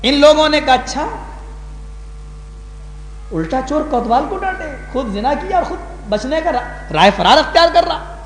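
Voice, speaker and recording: A male Islamic preacher giving a sermon to a gathering, telling stories with passion and rising high on key words. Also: very animated, a little hiss or hum. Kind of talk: Urdu sermon with dramatic storytelling. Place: large hall, live gathering. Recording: echoey hall with long reverb.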